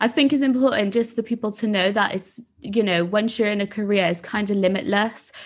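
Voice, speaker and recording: A woman with a Cardiff accent, talking at a fairly quick pace in fairly even intonation. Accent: Cardiff Welsh English. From Wales. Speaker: podcast host. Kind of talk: casual interview.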